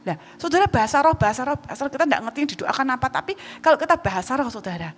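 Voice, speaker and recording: A woman evangelist with a Javanese accent preaching a sermon in a church hall, lively and joking, often calling out to the congregation. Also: sits high, rapid-fire. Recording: reverberant church hall, faint background noise.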